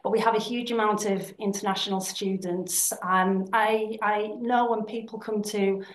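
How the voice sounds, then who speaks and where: A woman gives a webinar talk about her university to prospective students. She speaks steadily at a middle pitch and often fills pauses with ums and repeated words. The sound is roomy, as if recorded in an echoey space. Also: fairly even intonation. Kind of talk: webinar presentation.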